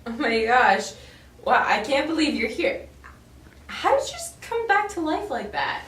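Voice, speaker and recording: A woman's voice: high voice, sing-song, a little slow, a bit bright. A woman acting as an interviewer in a scripted mock interview, asking eager questions and reading narration. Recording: echoey hall from far off, noisy.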